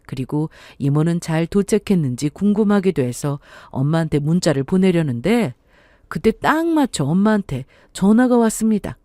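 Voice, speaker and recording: A woman narrates a scripted first-person story, calm and reflective. Her pitch still moves with some life, and the recording is dry and close. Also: normal speed, no room sound.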